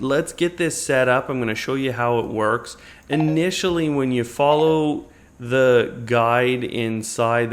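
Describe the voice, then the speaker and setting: Male tech review host, medium pitch, conversational tutorial delivery, clear step-by-step explaining. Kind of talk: unboxing and tutorial narration, conversational.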